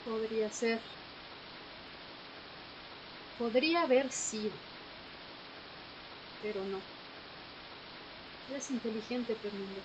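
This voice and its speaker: A woman's voice: a little high, slow pace, long pauses, background noise. A woman playing a guarded, mysterious woman in a radio drama, speaking in terse, cryptic lines. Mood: resigned. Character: guarded, mysterious woman who knows history's secrets. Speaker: supporting actor. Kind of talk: audio drama dialogue. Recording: music bed under the voice.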